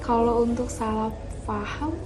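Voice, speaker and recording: A young woman from West Java chats easily as a guest, with a high, light voice. She sounds relaxed and matter-of-fact, with faint noise behind her. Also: a little slow. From West Java, Indonesia. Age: young adult. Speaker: guest, university student. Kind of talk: casual chat.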